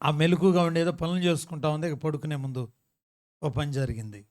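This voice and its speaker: High-voiced male pastor preaching emphatically. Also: steady tone, brisk, darkish tone. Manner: call-and-response questions to the congregation, emphatic repetition. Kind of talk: sermon.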